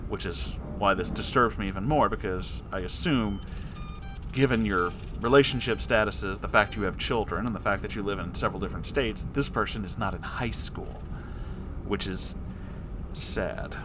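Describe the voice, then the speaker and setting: A man's voice: on the low side, moderate pace, music in the background. A man hosting a letter-reading show, performing listeners' letters expressively and answering with wry, conversational advice. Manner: theatrical, wry asides.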